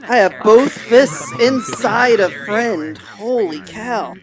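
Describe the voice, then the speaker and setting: A woman chatting casually while roleplaying in a social VR game, with a drawn-out, playful delivery. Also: fairly high pitch, animated, a crowd in the background. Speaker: roleplay streamer.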